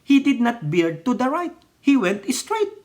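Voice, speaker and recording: A woman's voice: fairly high pitch, very animated, a little slow, darkish tone. A woman vlogger giving opinionated political commentary, switching between Tagalog and English mid-sentence and scolding with rhetorical questions. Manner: rhetorical, scolding, keeps asking "right or wrong?".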